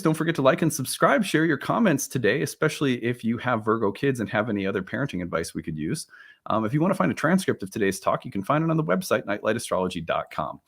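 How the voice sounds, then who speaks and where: A man in his thirties, a little hoarse from a cold, hosting a relaxed, rambling talk about astrology. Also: medium pitch. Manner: relaxed, rambling, with many fillers and restarts. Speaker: astrology teacher and channel host. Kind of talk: casual solo talk to camera.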